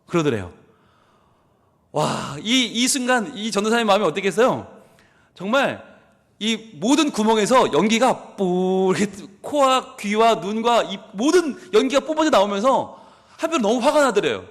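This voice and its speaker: Animated Busan-accented pastor, high lively voice. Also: male voice, moderate pace. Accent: Busan Gyeongsang. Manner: animated storytelling, acts out the people in his story. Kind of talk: sermon. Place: church sanctuary. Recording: long church hall reverb.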